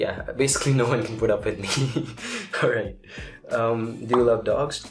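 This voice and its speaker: A man at a moderate pace, with music in the background and audible room echo. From northern India. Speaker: YouTuber and company founder. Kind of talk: casual Q&A monologue. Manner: casual, hesitant with fillers.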